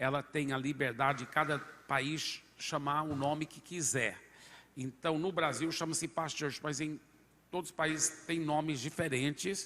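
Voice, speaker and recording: The man's voice is fairly high, with a bright, sharp tone. He speaks at a fairly slow pace with fairly even intonation. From Brazil, raised by American missionary parents. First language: English (speaking Portuguese). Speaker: pastor. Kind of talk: podcast interview.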